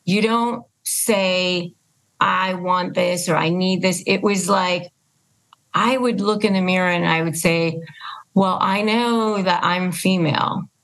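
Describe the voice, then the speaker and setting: A woman hosts a conversational podcast in a slow, creaky voice. She speaks in halting, emphatic bursts and often quotes herself to make her point. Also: on the low side, fairly even intonation, fairly bright tone, poor audio. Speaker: podcast host. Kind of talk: casual conversational interview.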